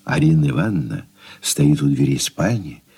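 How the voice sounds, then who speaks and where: A man reading the stage directions as narrator of a 1980s radio play, in an even, calm reading. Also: normal speed, heavily acted. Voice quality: very deep, gravelly.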